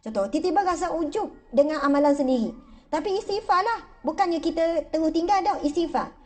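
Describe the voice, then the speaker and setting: A woman religious teacher speaks to a gathered audience in a high, bright-toned voice. She is playful and conversational, often dropping into mock voices to act out her examples. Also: expressive, a little fast. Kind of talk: lively religious talk.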